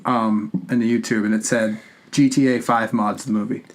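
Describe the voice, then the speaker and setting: A man's voice: lowish voice, level tone, moderate pace. A man co-hosting a podcast, chatting casually about films and often repeating himself as he goes. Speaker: podcast co-host. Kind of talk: casual film discussion.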